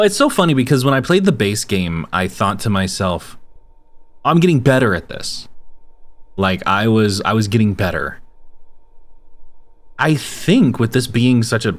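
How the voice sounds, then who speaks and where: Tired Texan streamer with a lively voice. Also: male voice, lowish voice, unhurried, long pauses. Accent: Texas. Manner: rambling, swears casually. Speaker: gaming streamer. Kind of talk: casual let's-play commentary.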